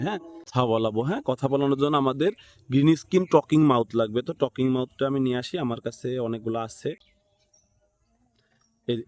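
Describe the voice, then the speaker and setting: Male tutorial instructor, Bangladeshi accent, average pitch, informal step-by-step delivery that checks in with the listener. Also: a little mellow. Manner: thinks aloud, checks in with listeners.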